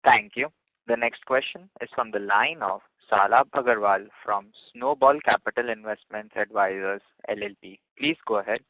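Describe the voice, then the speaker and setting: Low-voiced male conference call operator. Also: moderate pace, no room sound. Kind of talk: formulaic announcements of callers. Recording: dry, narrow phone line.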